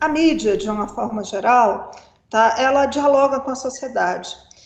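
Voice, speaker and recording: Audible room echo surrounds a woman's high-pitched voice, which shows ordinary pitch variation. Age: 60s. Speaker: professor. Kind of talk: interview.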